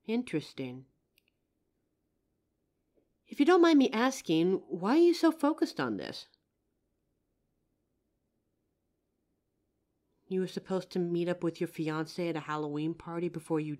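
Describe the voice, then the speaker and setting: A woman's voice: lowish voice, natural voice. A woman playing a friendly, curious psychic who helps out in a costume shop, chatting expressively to the listener in a roleplay audio drama. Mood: curious, gentle. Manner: chatty, expressive, with pauses and soft laughs. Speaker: voice actor. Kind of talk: roleplay audio drama, one side of a chat addressed to the listener.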